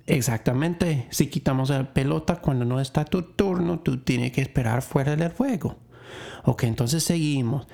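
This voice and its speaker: A man's voice: mid-range voice, vocal fry, a little mellow, clean tone. A man giving a spoken parenting lesson, patiently explaining step by step and acting out what he says to children. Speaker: educator advising parents.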